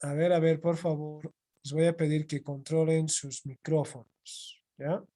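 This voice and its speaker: A man with a Bolivian Spanish accent teaching an online class, explaining slowly and repeating points while checking his students follow. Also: fairly high pitch, flat delivery, warm tone. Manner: slow, repetitive explaining with checking "¿ya?". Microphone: computer mic on video call.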